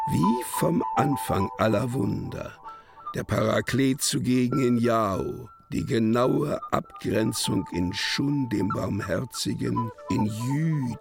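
Slow, creaky brooding poet. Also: male voice, medium pitch. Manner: solemn, declamatory, with weighty pauses. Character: imprisoned male poet, brooding, defiant, incantatory. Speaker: actor reciting poetry in a radio play. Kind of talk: German literary radio play, dramatic poetic recitation.

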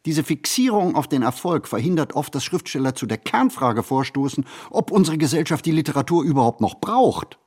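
An actor playing a reflective writer in a literary radio play, speaking his monologue in measured, deliberate phrases. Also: fairly high pitch, big pitch swings, darkish tone. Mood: emphatic, critical. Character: reflective male writer musing on writing and society. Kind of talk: literary radio play monologue, scripted first-person narration.

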